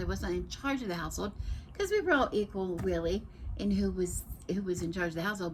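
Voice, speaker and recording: Noticeable background noise fills the recording. Through it, a woman speaks very fast. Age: 70s. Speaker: pagan vlogger. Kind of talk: casual vlog talk. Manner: halting, repetitive; long-winded storytelling.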